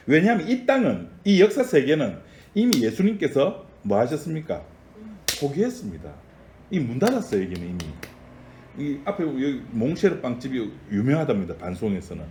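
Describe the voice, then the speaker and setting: A man's voice: medium pitch, big pitch swings, normal speed, darkish tone, roomy sound, a little hiss or hum. A man preaching a sermon in a conversational style, often asking the congregation questions. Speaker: pastor.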